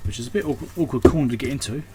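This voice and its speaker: Racing along in a mid-range voice, an electronics repairer and video host gives unscripted, casual commentary while repairing things by hand. He thinks aloud and often leaves thoughts unfinished. The setting is an indoor repair workbench, and clear background noise and room ambience can be heard.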